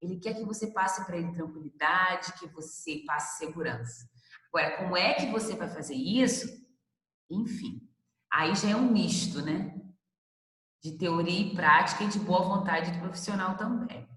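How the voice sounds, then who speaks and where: A woman's voice: fairly low pitch, moderate pace, fairly bright tone. Woman lecturing students in an echoey room. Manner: conversational, addresses students by name, rhetorical questions. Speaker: university lecturer. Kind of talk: online class lecture.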